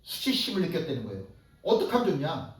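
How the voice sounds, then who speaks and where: A male pastor preaching a sermon in a lively way, acting out the voices of ordinary people as he goes. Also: fairly high pitch, fast. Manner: animated, acts out everyday voices in quotes. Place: church sanctuary. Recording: echoey church hall, distant mic.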